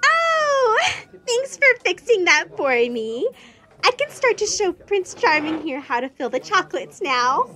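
Shrill, very high-pitched spiteful stepsister. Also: female voice, very animated, a little slow, pushed and bright, exaggerated voice. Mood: sugary, taunting. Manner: sugary, whiny, taunting.

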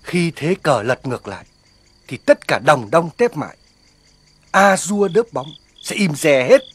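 A man's voice: on the high side, expressive, a little slow, breathy edge. An actor playing a smug, scheming older village man who speaks with contempt in a TV drama. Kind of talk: TV drama acting.

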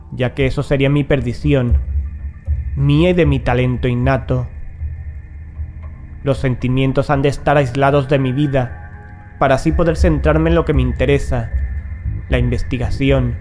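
An actor playing an aloof, brilliant investigator in an audio drama, speaking in a curt, grave, measured way. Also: male voice, medium pitch, darkish tone, natural voice. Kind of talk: Spanish-language audio drama acting and narration.

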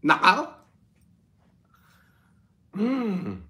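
A middle-aged Filipino man talks to his livestream viewers at a slow pace in a slightly high voice. He drifts between greetings and filler interjections, leaving long gaps, with the casual sound of someone chatting into a phone indoors. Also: huge pitch swings, pushed and bright. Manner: unhurried, drawn-out, with many pauses and interjections. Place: indoor room with framed painting. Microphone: phone propped at arm's length.

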